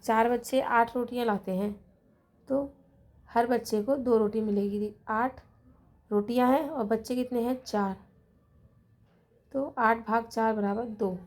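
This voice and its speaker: Her voice on the high side, a woman speaking Hindi-accented English of Rajasthan leads a math lesson for kids. She takes it slow and patient, counting things out loud and repeatedly making sure her students are following.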